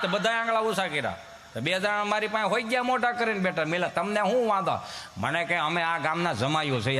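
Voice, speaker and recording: A man, telling jokes and folk stories on stage in a lively, playful way. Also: high-pitched. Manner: lively, jokey folk storytelling with acted voices. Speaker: stage comedian. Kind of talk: stage comedy storytelling. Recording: reverberant hall with faint hiss.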